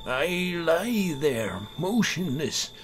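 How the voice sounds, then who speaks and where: A man reads a horror tale in the first person with brooding, theatrical delivery. He takes it very slowly, in a mid-pitched voice, over prominent music. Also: big pitch swings. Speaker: narrator, amateur voice actor. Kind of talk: dramatic first-person horror story narration.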